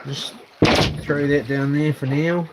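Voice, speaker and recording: A man's voice: a little high, steady tone, slow, darkish tone, slight background noise, poor audio. A man with a broad New Zealand accent chatting casually and slangily, half to himself, as he vlogs. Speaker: live streamer. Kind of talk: casual vlog chat, talking while tidying.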